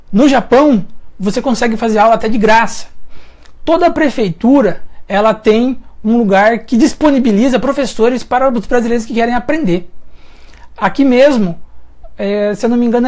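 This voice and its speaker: Chatty Brazilian woman with a higher voice. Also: a little mellow. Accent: Brazilian Portuguese. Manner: chatty, thinks aloud with frequent hesitations and restarts; addresses viewers directly, friendly and informal. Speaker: live-stream host reading viewer questions. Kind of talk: casual live chat.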